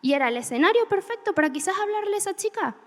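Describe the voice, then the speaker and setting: A woman preaching a sermon, telling stories in an animated way with laughter. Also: extremely high pitch, rapid-fire, in a large hall. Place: church hall.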